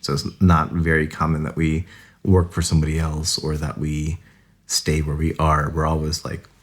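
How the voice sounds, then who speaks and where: A man's voice: rumbling low, completely flat delivery, normal speed. A young adult man from the United States, a podcast guest chatting casually about his family, rambling with lots of "like"s. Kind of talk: casual interview storytelling.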